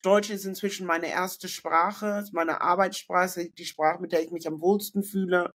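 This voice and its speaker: A middle-aged woman from northern Germany speaks as an interview guest, thinking aloud in a loose, reflective way. She often pauses, adds fillers and restarts her sentences. She is heard over a video call from a room indoors. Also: fairly low pitch, fairly even intonation. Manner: reflective, frequent fillers and self-corrections. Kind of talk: casual conversational interview.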